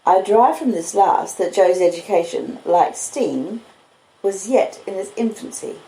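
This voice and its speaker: A woman's voice: medium pitch, a little slow, mellow, echoey room, poor audio. A woman with an Australian accent reading literary narration as an audiobook reader.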